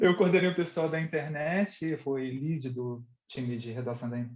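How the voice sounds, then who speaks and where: Some breathiness colors the voice. It is a man speaking. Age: 50s. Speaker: UX writing consultant and author. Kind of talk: panel discussion livestream. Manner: casual, animated.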